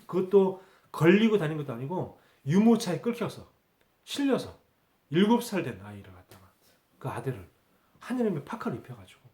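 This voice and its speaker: A man's voice: mid-range voice, darkish tone, reverberant. A man preaching a Sunday sermon as pastor, asking rhetorical questions and repeating key words for emphasis. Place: church sanctuary.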